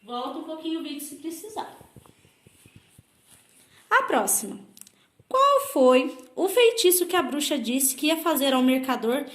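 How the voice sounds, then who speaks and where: A woman with a Brazilian Portuguese accent, a primary school teacher giving a recorded lesson to children and sounding out words slowly, syllable by syllable. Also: high voice, big pitch swings. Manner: slow, exaggerated syllable-by-syllable explanations. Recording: echoey room.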